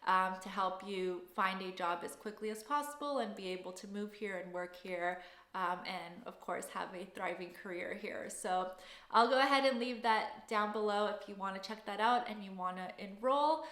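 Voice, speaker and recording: A woman's voice: mid-range voice, moderate pace, fairly bright tone, echoey room. A young woman, hosting a casual Q&A vlog in an upbeat, effusive way. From Canada. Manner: upbeat, effusive, gushing thanks. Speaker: vlogger and job-search coach.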